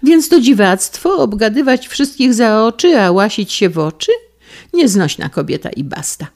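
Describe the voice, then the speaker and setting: A woman's voice: deep voice, animated, normal speed. A woman voicing an indignant, argumentative middle-aged wife in a storybook reading, with a heated manner.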